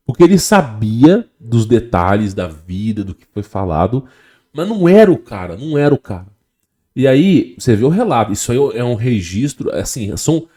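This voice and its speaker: Brazilian-accented male vlogger, dark mellow tone, casual and halting, conspiratorial musing. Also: medium pitch. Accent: Brazilian Portuguese. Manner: hesitant, repeats words, frequent "tá?" tag questions. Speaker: channel host. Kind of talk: casual monologue to camera.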